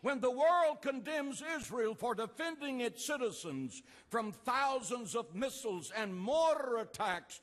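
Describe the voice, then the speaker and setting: Older man, pastor-orator, high lively pitch, slow deliberate delivery, long reverb of an outdoor rally. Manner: slow, emphatic, repeated refrains, rising to shouts. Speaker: pastor giving a speech. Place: outdoor rally at an ancient port.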